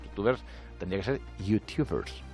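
A man from Spain with a Spanish accent, delivering an animated, jokey comic monologue on a radio show. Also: fairly low pitch, normal speed, soft background music. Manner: animated, jokey, acts out quoted voices. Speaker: comedian with a radio segment. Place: radio studio.

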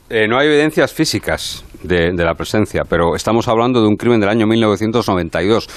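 A man's voice: fairly low pitch, dry recording. A man reporting on a criminal case, laying out facts and dates methodically.

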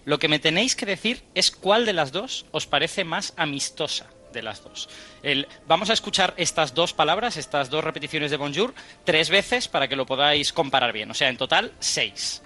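Man, bright tone, slightly high voice, radio science guest, faint music behind. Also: moderate pace. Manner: energetic, explanatory, quizzing the hosts.

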